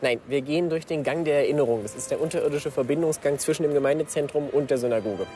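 A guide talks quickly with a mellow, dark voice, explaining things during a tour. Faint music plays underneath. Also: medium pitch.

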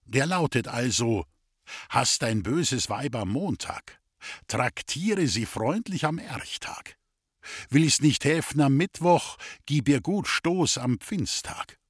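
Mann spricht einen griesgrämigen alten schwaben, belehrend und lebhaft im ton, trocken aufgenommen. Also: male voice, medium pitch, slightly rough, dry recording, clean studio sound. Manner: sententious, reeling off proverbs. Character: grumbling old Swabian bachelor preaching against marriage.

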